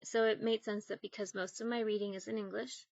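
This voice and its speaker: A young woman from northern Mexico, a native Spanish speaker, talks about books to her camera in an easy, reflective way, pausing and saying um often. Her mid-pitched voice has a gravelly fry to it. The sound is dry and a bit dull, like a lo-fi home recording. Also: flat delivery, no echo. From Monterrey, northern Mexico. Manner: thoughtful, unhurried, with many ums and pauses. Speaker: booktuber. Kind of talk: casual talk to camera.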